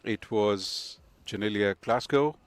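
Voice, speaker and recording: Low-voiced guy breaking down cricket plays, calm and thoughtful, some uhs. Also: clear, resonant tone, dry recording. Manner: measured and analytical, hesitant fillers. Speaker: cricket commentator. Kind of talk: live sports commentary, expert analysis.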